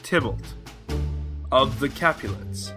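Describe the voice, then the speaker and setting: Theatrical male suspect, haughty, archaic stagey diction, mid pitch, over music. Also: animated, slow pace. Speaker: bombing suspect claiming to be Tybalt. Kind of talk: full-cast audio drama.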